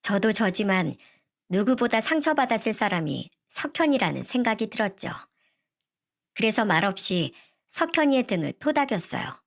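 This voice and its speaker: A middle-aged woman narrating a first-person family story in a steady, even manner. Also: medium pitch, moderate pace, creaky.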